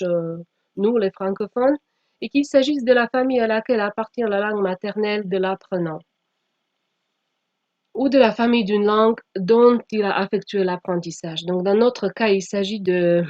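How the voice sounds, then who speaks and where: A woman giving a slide presentation as a teacher trainer, speaking haltingly with frequent pauses and sometimes reading aloud. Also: medium pitch, darkish tone. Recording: dull, echoey room sound.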